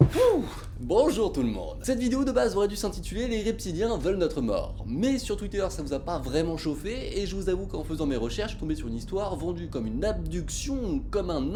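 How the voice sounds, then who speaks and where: Background music and audible room echo around a man's voice. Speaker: science popularization YouTuber. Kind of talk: casual storytelling to camera. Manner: casual, with fillers.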